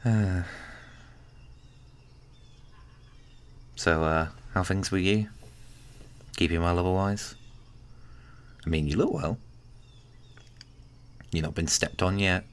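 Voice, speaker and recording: A man playing a kindly, awkward, flirtatious tiny friend in an intimate ASMR roleplay, speaking gently and hesitantly with caring, teasing warmth. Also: sits low, a little slow, long pauses. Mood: fond, bashful. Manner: gentle, hesitant, bashfully rambling.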